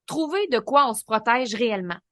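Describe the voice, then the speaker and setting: A woman with a Québécois French accent hosting a solo podcast, coaching in a lively, colloquial way. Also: on the high side, a little fast, dry recording. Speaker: podcast host and business coach.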